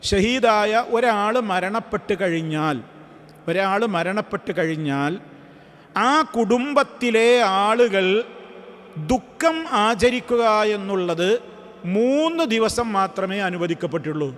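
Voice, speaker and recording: A man's voice: sits high, expressive, slow, in a large hall. A man giving an Islamic study-class lecture in a teacherly way, posing rhetorical questions and repeating key words. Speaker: religious teacher.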